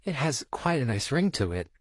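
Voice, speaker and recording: A performer voicing an affectionate male puppet neighbor who talks to the listener in a gentle, flirtatious way, lingering on words. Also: medium pitch, very animated, a little slow, slightly rough, no room sound, clean studio sound. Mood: touched, affectionate. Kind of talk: in-character roleplay addressed to the listener.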